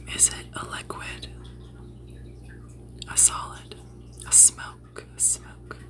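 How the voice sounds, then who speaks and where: A soft-spoken woman whispers at a very slow pace with long, frequent pauses amid noticeable background noise. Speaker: Reiki master and ASMR creator. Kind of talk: guided meditation / reiki session. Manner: soft, whispered, slow. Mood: warm, gentle, smiling. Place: home room.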